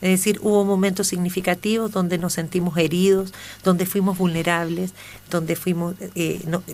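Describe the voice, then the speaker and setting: An unremarkable speaking voice, a woman's, fairly low in pitch, at a moderate pace. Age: 50s. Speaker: author. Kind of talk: radio interview.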